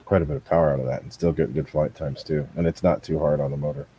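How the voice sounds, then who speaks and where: A man's voice: extremely low pitch, fairly even intonation, fast, warm tone, a little hiss or hum. A man in casual chat, thinking aloud with many ums as he talks.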